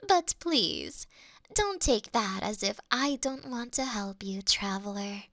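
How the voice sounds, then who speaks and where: A woman playing a mischievous, affectionate fox-spirit shrine priestess in an intimate roleplay, coy and teasing, often slipping into a breathy whisper. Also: medium pitch, animated, takes it slowly, fairly bright tone, no room sound, clean studio sound. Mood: tender, reassuring. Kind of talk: intimate roleplay ASMR acting.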